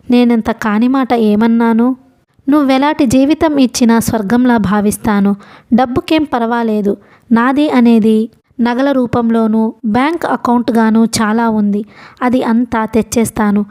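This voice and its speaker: A woman's voice: on the high side, steady tone, normal speed, darkish tone, natural voice. A woman voicing an impulsive, lovestruck young woman who speaks eagerly, in an audiobook. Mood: pleading. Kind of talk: audiobook character reading.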